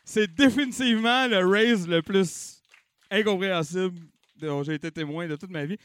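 This young Québécois comedy show host runs an auction, shouting out bids with lively, jokey asides in between. His high-pitched voice moves at a moderate pace with a clean tone, and the recording is dry.

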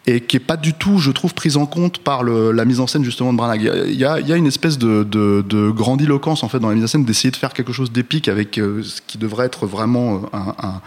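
Hesitant male film critic, mid-pitched. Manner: hesitant, many fillers and restarts, building arguments slowly. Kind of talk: casual film discussion.

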